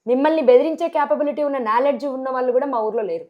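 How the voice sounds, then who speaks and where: A woman with a Telangana Telugu accent, a sarpanch candidate answering in a TV interview, forceful and full of rhetorical questions. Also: high-pitched, very fast, muffled recording.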